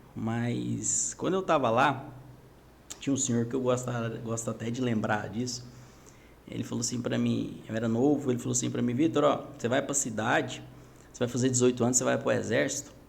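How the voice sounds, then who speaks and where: The speech moves at a fairly quick pace, broken by long, frequent pauses. There is audible room echo. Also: man. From Brazil, Goiás (Jataí). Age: 30s. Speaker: business owner. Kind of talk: podcast interview. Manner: hesitant, many fillers.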